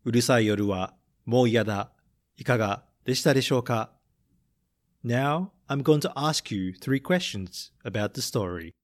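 A man reads a children's picture book and then quizzes listeners on English words, pausing after each question. He speaks very slowly and clearly at a middle pitch, repeating every point first in English and then in Japanese, like a patient teacher. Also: lively intonation. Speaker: storybook reader and English teacher. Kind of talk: bilingual picture-book reading and vocabulary quiz.

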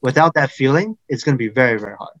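A man's voice: mid-range voice, animated, quick pace, a bit bright, dry recording, lo-fi sound. A man speaking as the expert guest in an interview, earnest and a little hesitant, repeating words as he thinks. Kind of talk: casual interview chat.

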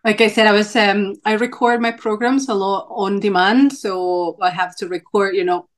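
A woman's voice: medium pitch, fairly even intonation, normal speed. Woman from Mexico chatting as podcast guest. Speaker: podcast guest, fitness coach. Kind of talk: casual chat.

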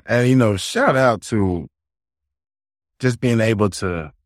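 A man's voice: fairly low pitch, slow pace, no room sound, clean studio sound. A man co-hosting a podcast, chatting casually with hype-man affirmations. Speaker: podcast co-host.

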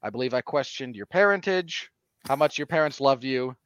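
A man hosting a film podcast, giving casual commentary in a wordy, deliberate, mock-formal manner. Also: mid-range voice, animated, a bit bright, dry recording, highs cut off. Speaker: podcast host and film reviewer.

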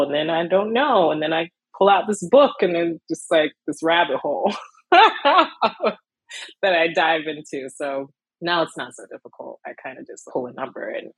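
A young woman from Miami, an illustrator talking casually in an interview, animated with frequent laughs and fillers. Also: low-pitched, slightly rough, no echo, poor audio. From Miami, USA. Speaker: illustrator guest.

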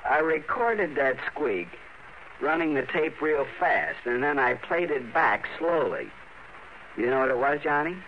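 A man playing an earnest, excitable radio tinkerer in a 1950s radio drama, with an eager, halting and insistent delivery. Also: on the high side. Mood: eager, excited. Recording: noisy, dull vintage radio broadcast.

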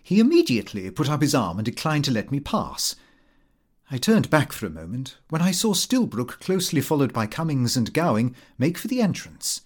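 A man reads a comic Victorian diary aloud. His pitch swings very widely, and he sounds prim and put-upon, with a theatrical way of telling it. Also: very animated, normal speed. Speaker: audiobook narrator. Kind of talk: animated scripted narration of a comic Victorian diary.

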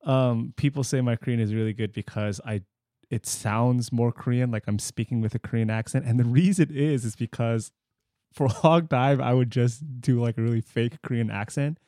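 A man's voice: mid-range voice, moderate pace, warm tone, no echo, studio quality. A man co-hosting a podcast in casual chat, teasing and blunt. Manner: teasing, blunt one-word verdicts. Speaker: podcast co-host. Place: Seoul, South Korea.

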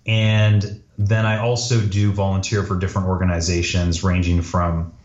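A man from Canada answers as a podcast guest in a low voice. He talks casually and conversationally. The recording is roomy and a little dull. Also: level tone, moderate pace, darkish tone. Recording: roomy, slightly dull audio.

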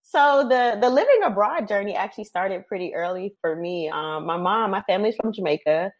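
A woman from Detroit telling her story as a podcast guest, lively and quick to laugh. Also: mid-range voice, highs cut off. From Detroit, Michigan. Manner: lively, laughs often, says "um" and "like". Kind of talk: conversational storytelling.

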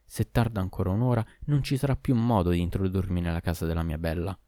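A man voicing an impatient young man in a hurry, speaking in a hushed, clipped way in a storybook reading. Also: deep voice, fairly even intonation, quick pace, dry recording, studio quality, lightly acted.

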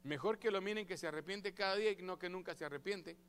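Man, pastor, sermon, animated, forceful tone, fairly high voice. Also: fast talker, clean tone. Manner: animated, acts out quoted prayers and voices.

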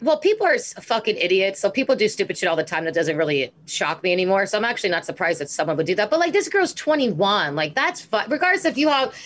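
Young woman co-host, hoarse and raspy today, blunt casual chat full of swearing. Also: mid-range voice, very animated, fast talker, few pauses, fairly bright tone. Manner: blunt, swears freely, laughs often. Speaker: podcast co-host.

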